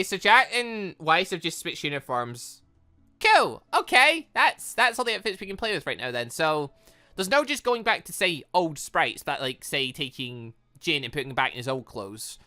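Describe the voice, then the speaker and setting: Animated man doing let's play commentary. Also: on the high side, normal speed. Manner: excitable, animated, thinking aloud. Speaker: gaming channel host. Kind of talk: let's play commentary, reading game dialogue aloud.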